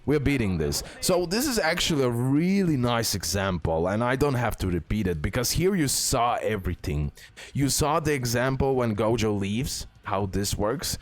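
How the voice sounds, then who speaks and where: A man giving casual, excitable gameplay commentary, repeating words and talking straight to his viewers. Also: medium pitch, moderate pace, no echo. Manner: excitable, repetitive, addresses viewers directly. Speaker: gaming content creator, host. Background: music.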